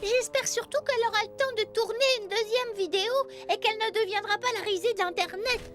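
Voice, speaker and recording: An extremely high-pitched, sweet little cartoon girl, earnest and eager in her delivery. She sounds caring and expressive, with tinkly children's music behind her. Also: fairly quick. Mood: worried. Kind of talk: French children's cartoon dub acting.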